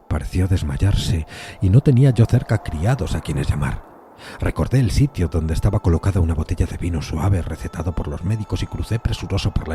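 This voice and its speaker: A man giving a dramatic, theatrical literary narration of a gothic horror story, moving between hushed and emphatic phrasing. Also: low voice. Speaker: podcast narrator reading a horror tale.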